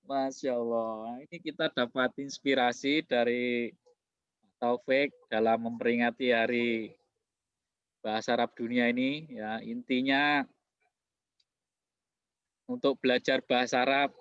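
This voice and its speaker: A man hosting a casual interview, agreeing often and chatting warmly. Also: mid-range voice, steady tone, a little slow, long pauses, smooth, no room sound. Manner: warm, agreeable, frequent affirmations. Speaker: host. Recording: dull, dry lo-fi sound.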